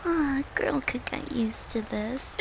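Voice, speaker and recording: A woman's voice: sits high, takes it slowly, background noise, heavily acted. A woman playing a devoted, playful and protective human girlfriend in an intimate comfort audio roleplay, speaking in a tender, soothing, coaxing way. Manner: tender, soothing, coaxing, slipping into breathy murmurs.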